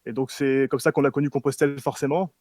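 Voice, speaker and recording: A young man from France, a relaxed guest who talks with many fillers. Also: mid-range voice, fast, dry recording, clean studio sound. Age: young adult.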